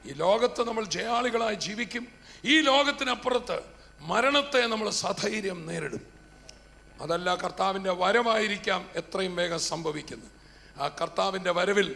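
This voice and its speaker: A man preaches a fervent sermon to a congregation, his high-pitched, bright and pushed voice, edged with vocal fry, swelling and dropping in volume. Hall reverb and faint background noise surround him.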